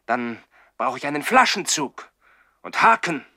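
A man's voice: on the high side, sing-song, a little slow, pushed and bright, no room sound, studio quality, full character voice. An actor playing a proud, defiant older brother, a self-assured and commanding boy in a 1960s radio play. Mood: commanding, secretive.

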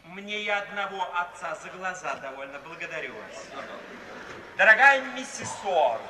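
Radio play: cheeky young gentleman, high voice, teasing and theatrical, echoey vintage sound. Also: big pitch swings, moderate pace. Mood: flippant, defiant. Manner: ironic mock-polite banter. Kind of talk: theatrical radio drama acting. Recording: noisy 1950s recording, distant and echoey hall.

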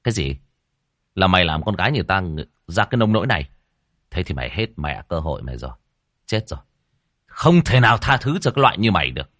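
A man voicing a brusque young male exorcist who questions fast and scolds sternly. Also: sits low, expressive, fairly bright tone, no echo, clean studio sound. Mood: furious.

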